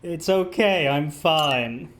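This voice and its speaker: A man's voice: on the high side, slow pace, a bit bright, a little hiss or hum. A man playing a video game with casual, sardonic, sweary commentary. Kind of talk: casual let's play commentary.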